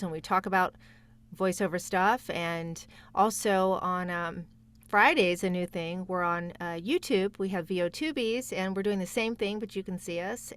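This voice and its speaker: A woman speaks as a guest in a casual podcast interview. Her voice sits at an average pitch for a woman. She is encouraging and talks directly to her listeners, in the easy conversational way of a working voice actor. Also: clean tone.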